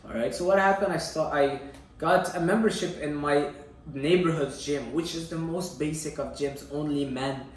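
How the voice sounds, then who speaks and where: A man's voice: on the high side, moderate pace. Young man storytelling in a very echoey room. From Syria. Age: young adult. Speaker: bodybuilder telling his own life story. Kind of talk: personal storytelling vlog. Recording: echoey room, distant mic, faint noise.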